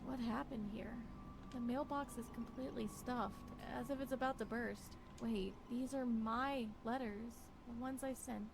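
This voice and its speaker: A haunted young-sounding wife, voiced by an actress narrates a horror game in a high voice with a creaky edge. She is brooding and fearful, speaking in halting theatrical phrases as her sanity slips. There is noticeable noise behind the voice. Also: steady tone. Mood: uneasy, brooding. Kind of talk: dramatic first-person horror game narration.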